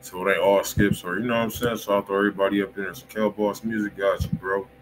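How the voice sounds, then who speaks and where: Male American livestream host, low voice, casual and slangy, clear background noise behind him. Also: flat delivery, quick pace, rough recording. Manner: slangy, peppered with "bro" and filler repeats. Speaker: host of a music review livestream.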